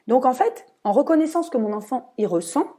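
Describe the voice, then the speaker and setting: A woman's voice: sits high, expressive, fairly quick, dark tone, slightly rough. A woman hosting a podcast, explaining her views in an earnest, casual monologue. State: tired. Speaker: podcast host.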